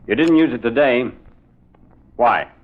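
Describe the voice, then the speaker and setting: An actor playing a brisk, no-nonsense police inspector, blunt and commanding, in old-time radio drama style. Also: male voice, medium pitch, lively intonation. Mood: brisk, suspicious. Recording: tinny vintage radio recording.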